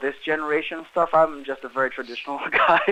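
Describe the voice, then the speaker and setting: Over noticeable background noise, a man talks at a fairly quick pace with a monotone, flat intonation. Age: 30s. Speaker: rock guitarist. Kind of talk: phone interview.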